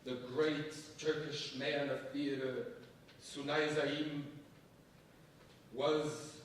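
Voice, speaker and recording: A theatrical, grandiose coup leader declaims in a high voice at a slow pace. He dictates with weighty, dramatic pauses, as in a staged reading. The sound is very echoey and distant. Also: level tone. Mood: solemn, grand. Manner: deliberate, dramatic, emphatic pauses. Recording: echoey stage from far off, faint noise.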